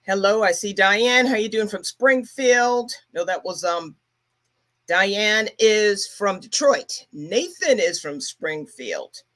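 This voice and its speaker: Slow-talking woman hosting a livestream. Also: medium pitch, animated, fairly bright tone. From Brooklyn, New York. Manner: chatty, greets viewers by name. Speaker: travel agency owner and livestream host. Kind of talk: casual livestream chat.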